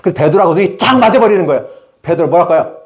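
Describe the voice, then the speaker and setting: A man's voice: high voice, rapid-fire. A middle-aged male preacher giving a sermon at a prayer retreat, telling stories and often putting questions to the congregation. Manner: lively storytelling, asks the congregation questions.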